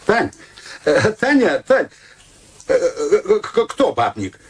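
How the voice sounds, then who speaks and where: An actor playing an excitable middle-aged man in a radio play, an evasive womanizer who wheedles and stammers when cornered. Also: high-pitched, slow, slightly rough, exaggerated voice. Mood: flustered, pleading.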